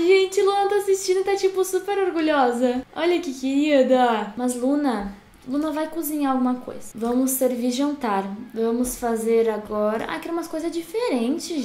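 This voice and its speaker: Brief: high-pitched Brazilian woman, gushing gameplay commentary, echoey room with faint hiss. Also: moderate pace, a little mellow. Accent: Brazilian Portuguese. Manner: chatty, gushing, talks to viewers. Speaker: gaming YouTuber. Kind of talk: casual let's-play commentary.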